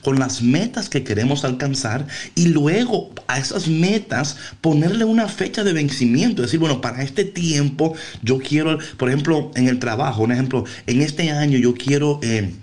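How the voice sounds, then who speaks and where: A man's voice: on the high side, animated, normal speed, few pauses, darkish tone. A man hosting a casual motivational talk, explaining things with rhetorical check-in questions and slipping English words and phrases into his Spanish. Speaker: talk show host.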